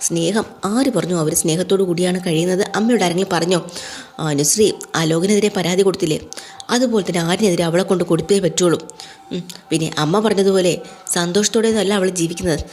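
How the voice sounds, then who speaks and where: A woman gives a casual spoken recap of a family serial, chatty and peppered with tag words. She talks fast in a lowish voice. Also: darkish tone, slight background noise.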